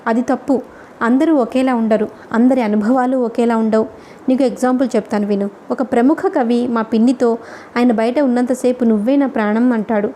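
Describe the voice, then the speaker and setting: A woman voicing a thoughtful young woman student who speaks in a steady, reflective way. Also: fairly high pitch, normal speed, slight background noise, close to an everyday voice. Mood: calm, reflective.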